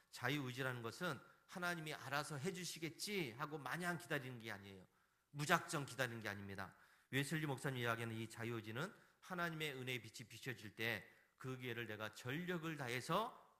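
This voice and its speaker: Korean pastor guy preaching in church, bright clear voice, gets loud and acts out the lines. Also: medium pitch. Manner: emphatic, acts out the crowd's and the beggar's lines. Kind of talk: sermon. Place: church sanctuary.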